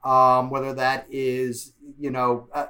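A man's voice: medium pitch, completely flat delivery, takes it slowly, bright, forceful tone. A man appearing as a guest on a podcast, talking casually and rambling with many fillers. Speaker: guest, media researcher. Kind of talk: casual interview chat.

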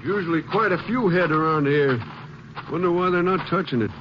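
A man acting a watchful, middle-aged rancher with a high-pitched voice. He is a practical western radio drama father who turns hot when crossed. The vintage recording is dull, with clear noise behind him. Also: brisk, close to an everyday voice. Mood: practical, puzzled.

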